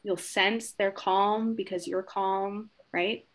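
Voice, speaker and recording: A woman's voice: medium pitch, steady tone, slow pace. Encouraging woman presenting a teacher webinar. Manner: warm, encouraging, tag questions like "right?"; acts out short exchanges with children. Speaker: webinar presenter, trainer of educators. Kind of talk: conversational training webinar.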